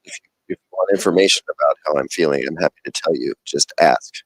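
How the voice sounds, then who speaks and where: Brief: low-voiced man, wry and self-mocking, casual panel banter, dry close mic. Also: fast talker, no room sound, low-quality recording. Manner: wry, joking, self-deprecating. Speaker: TV shootout panelist. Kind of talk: casual livestream chat. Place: TV viewing room.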